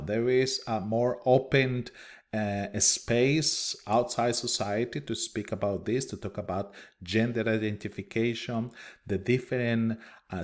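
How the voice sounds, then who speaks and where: A man from Colombia with a thick Spanish accent, a minister giving a recorded lecture from his office in an earnest way, with many fillers and restarts. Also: on the low side. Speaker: minister and teacher.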